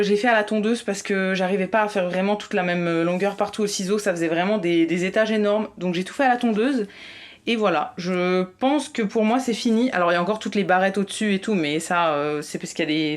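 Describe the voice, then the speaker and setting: A woman vlogger chatting casually, tentative and thinking aloud as she goes. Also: medium pitch. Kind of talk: casual vlog chat.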